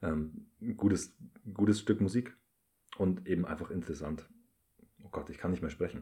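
Dark, mellow tone, somewhat breathy, at a moderate pace with ordinary pitch variation and long, frequent pauses. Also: man, very deep, low pitch for a man. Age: 20s. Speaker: radio show host. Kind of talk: casual music show presentation.

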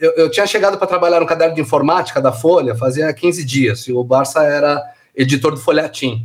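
A man speaks in a plain, everyday voice, fairly high-pitched, with ordinary pitch variation and very even loudness. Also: fairly quick pace. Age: 40s. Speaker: journalist. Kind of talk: casual chat.

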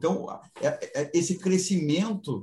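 This man sounds somewhat breathy, and his intonation is lively. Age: 40s. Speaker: lawyer and film enthusiast. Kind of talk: casual chat.

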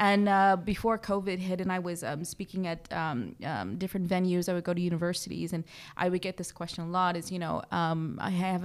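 With an American accent and an ordinary speaking voice, a woman talks at a fairly quick pace with hardly any pauses, her fairly low pitch held in fairly even intonation over a very clean recording with a silent background. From US, raised on military bases; Mexican American. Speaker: entrepreneur and human rights lawyer. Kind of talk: interview conversation. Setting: studio.

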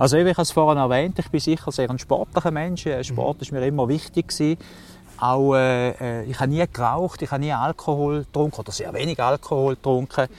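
Here is a man with an ordinary speaking voice and a fairly high pitch. He moves at a fairly quick pace with fairly even intonation. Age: 50s. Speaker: trade association manager. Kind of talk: casual interview. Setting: outdoors on a bench.

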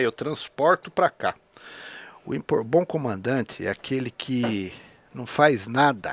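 A man speaks at a fairly slow pace in a plain, everyday voice, with ordinary pitch variation and a dry, close sound with no echo. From Brazil, São Roque (São Paulo state). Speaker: retired military police colonel. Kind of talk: casual interview.

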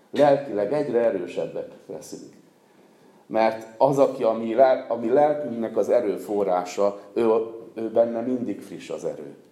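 In a room with audible echo, a man with a medium pitch and a dark, mellow tone speaks at a fairly slow pace, with ordinary pitch variation and big swings in loudness. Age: old. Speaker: pastor. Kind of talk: sermon. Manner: halting.

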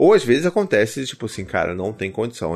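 A man speaks in a normal speaking voice at a medium pitch. His pace is fairly quick. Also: quiet background. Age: 30s. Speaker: parenting podcaster and author. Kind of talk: casual monologue.

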